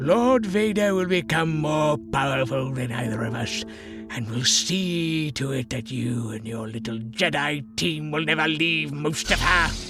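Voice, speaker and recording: Clear music plays in the background. A man uses a put-on character voice at a medium pitch and a fairly slow pace. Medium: audio drama.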